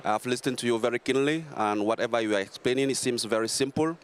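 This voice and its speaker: An earnest man from Cameroon in the audience who wanders through his argument before asking his question. His voice has a mid pitch, with faint noise behind it. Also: fast talker. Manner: earnest, rambling.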